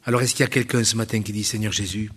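A middle-aged pastor preaching to his congregation in a husky, slightly breathy voice of ordinary pitch. He drives his points home with repetition and rhetorical questions, pushing steadily through a church sermon. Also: flat delivery, very fast, a bit bright. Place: church service.

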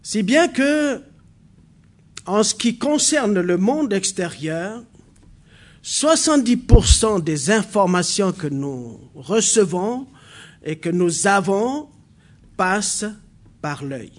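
Preaching in a church hall with a high, sing-song voice, a man from New Caledonia moves from a halting, filler-heavy start into emphatic delivery. His first language is a local New Caledonian language.

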